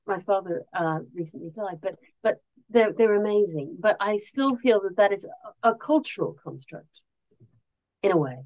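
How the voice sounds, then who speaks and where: A woman's voice: mid-range voice, animated, moderate pace, a little mellow, poor audio. A middle-aged woman born in South Korea and raised around Asia, a guest author talking in a reflective, earnest way and often searching for her words in a casual conversation.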